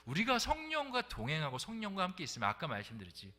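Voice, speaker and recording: A man's voice: sits high, wildly swooping pitch, fast talker, bright, forceful tone. A middle-aged man preaching a sermon as pastor at a Friday prayer meeting, often dropping to a whisper for emphasis and putting questions to the congregation. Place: church sanctuary.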